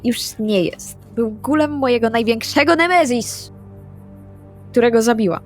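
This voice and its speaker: A woman's voice: on the high side, moderate pace. A woman improvising serious in-character dialogue in a tabletop role-playing game. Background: music.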